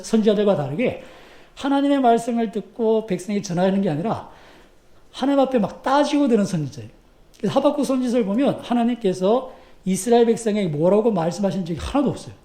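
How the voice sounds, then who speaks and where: A male pastor preaching a sermon in an animated, conversational way, full of rhetorical questions. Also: high voice. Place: church sanctuary. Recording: echoey church sanctuary.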